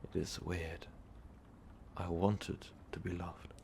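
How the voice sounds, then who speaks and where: A man playing a lovestruck, remorseful vampire overlord in an ASMR roleplay, speaking in a halting, breathy, confessional way. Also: little pitch movement, a little mellow, a little hiss or hum, full character voice. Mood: wistful, confessional. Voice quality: breathy, whispery, gravelly low voice. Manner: halting, slow, confessional, formal wording. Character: tormented, lovestruck male vampire overlord, remorseful ruthless conqueror. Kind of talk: ASMR roleplay, intimate monologue to listener.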